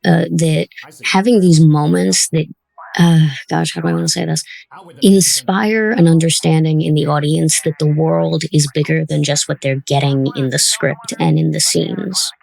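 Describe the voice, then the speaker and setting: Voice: medium pitch, normal speed, gravelly, darkish tone. A podcast host in a casual interview and commentary, talking in a thoughtful, encouraging way as the show's creator.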